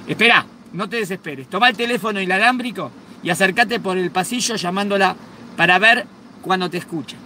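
A man's voice: high voice, fairly quick, pushed and bright, slight background noise. A man voicing a patient family doctor, giving soothing instructions. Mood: calm.

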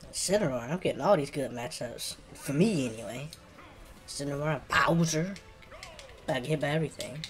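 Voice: mid-range voice, moderate pace, over music. A streamer with an African American English accent, giving casual, slangy live game commentary and muttering reactions to the play. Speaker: gaming streamer. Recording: clear background noise with keyboard clicking.

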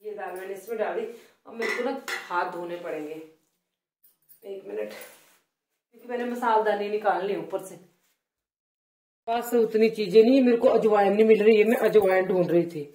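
Middle-aged woman, Himachali Hindi accent, loud chatty cooking vlog, phone mic across the kitchen, roomy echo. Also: medium pitch, moderate pace, pauses often, slight background noise. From Himachal Pradesh, India. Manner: chatty, complaining, talks loudly. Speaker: cooking vlogger. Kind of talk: casual cooking vlog chat. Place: home kitchen. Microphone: phone placed away from her. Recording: roomy phone audio from a distance.

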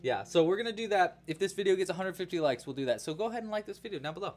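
A man's voice: sits high, expressive, rapid-fire, darkish tone, soft background music. Chatty young man hosting a crochet stream. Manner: chatty, counts stitches aloud, thanks donors. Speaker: crochet livestream host. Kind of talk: casual livestream crochet tutorial.

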